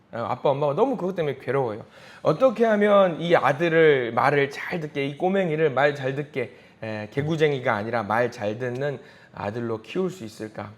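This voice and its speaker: A man preaching a dawn sermon as pastor, telling a story animatedly and acting out its voices. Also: a little high. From South Korea.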